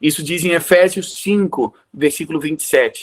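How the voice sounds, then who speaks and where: A man speaks with a high voice, recorded dry and close with no echo. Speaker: pastor. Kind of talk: sermon.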